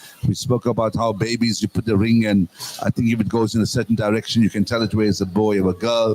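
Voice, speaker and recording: A man's very fast, flat, monotone delivery, dry and close with no echo, over noticeable background noise. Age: 60s. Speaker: radio host. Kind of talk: casual chat. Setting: live broadcast at exhibition.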